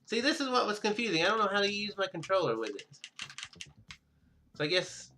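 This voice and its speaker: A man's voice: high voice, very animated, brisk, bright, forceful tone, slight background noise. A man giving casual let's play commentary as host of a gaming video, rambling and thinking aloud.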